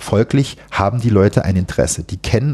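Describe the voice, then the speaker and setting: At a fairly quick pace, a man in a normal speaking voice talks with a fairly low pitch and lively intonation. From Saarland. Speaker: research institute director. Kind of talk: interview.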